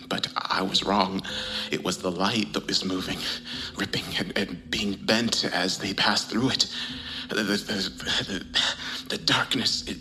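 A man's voice: lowish voice, pushed and bright, rough recording. An actor playing a terrified, isolated man who is coming apart, whispering and stammering into an audio log.

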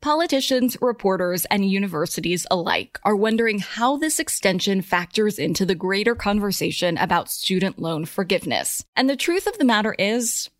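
A woman's voice: mid-range voice, no room sound, clean studio sound. A woman presenting scripted explanatory commentary as a host, in an emphatic, opinionated way with wry asides. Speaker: host of a personal finance show.

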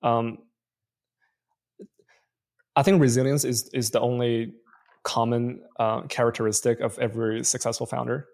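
A man's voice: medium pitch, little pitch movement, moderate pace, gravelly, pauses often, darkish tone. A man from Canada whose first language is Chinese, answering interview questions thoughtfully as a venture investor guest. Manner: thoughtful, frequent fillers and restarts.

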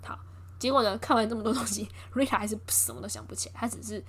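A woman's voice: mid-range voice, fast talker, slight background noise. A young woman hosting a casual chat, retelling a film scene by scene and acting out the characters' lines. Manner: lively, acts out quotes with voice shifts and laughs.

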